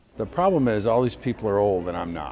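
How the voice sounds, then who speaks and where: A man talks at a moderate pace with a fairly low pitch. Noticeable background noise sits behind him. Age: 60s. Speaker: mall walker. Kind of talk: interview.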